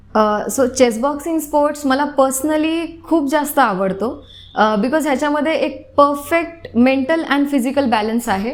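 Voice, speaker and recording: A woman's high voice with ordinary pitch variation and audible room echo. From Mumbai, India. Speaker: chess boxer. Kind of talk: life story testimony.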